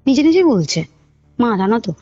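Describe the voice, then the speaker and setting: Husky woman on a muffled call. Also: on the high side, sing-song, a little fast, mellow. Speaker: caller telling a personal ghost experience. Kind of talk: casual conversational storytelling. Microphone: phone call. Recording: muffled phone call recording, music underneath. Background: background music.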